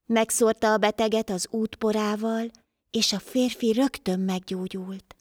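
A woman reading a folk tale aloud for children, steady and rhythmic. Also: mid-range voice, no echo, clean studio sound. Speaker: storyteller.

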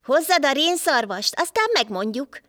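A woman's voice: sits high, animated, a bit bright, no echo, studio quality, voice pushed up. A woman voicing a flock of crafty, evasive jackdaws in a folk tale. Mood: sly.

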